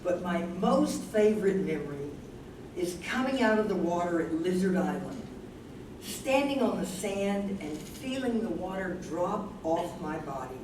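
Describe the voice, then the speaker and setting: A woman's voice: lowish voice, expressive, unhurried. A woman playing an aging, wistful wife who is losing her memory, in a staged reading. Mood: wistful, remembering. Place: live staged reading in an echoey room. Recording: roomy, distant stage recording with noise.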